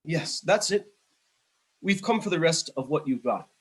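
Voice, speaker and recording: A man reading the part of an eager, excitable student boy in a stage play over a video call. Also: on the high side, measured pace, husky. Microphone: video call microphone.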